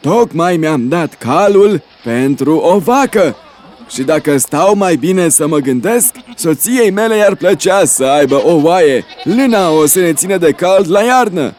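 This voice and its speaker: Man doing a generous old man, cartoon, high voice, lively bouncing pitch, eager and polite. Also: lightly acted. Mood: cheerful, eager. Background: background music.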